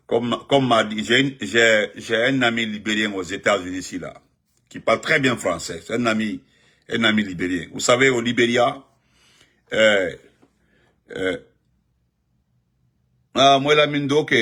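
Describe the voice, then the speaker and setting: A man, giving animated live-stream political commentary and greeting viewers, repeating himself and jumping up in pitch when he stresses a point. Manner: excited, repetitive, pitch jumps up sharply when emphatic.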